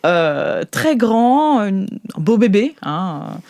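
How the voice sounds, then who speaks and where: A woman with a medium-pitched voice running an improvised tabletop game. She narrates casually, feeling for her words and repeating them as she sets the scene. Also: big pitch swings, a little mellow. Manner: informal, halting, repeats words. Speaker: game master.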